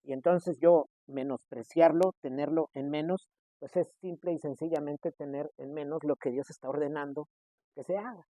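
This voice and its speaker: A man's voice: on the high side, fairly even intonation, normal speed, warm tone, dry recording. A male pastor, preaching a sermon in a conversational way, with frequent hesitations and mock rhetorical questions. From Mexico.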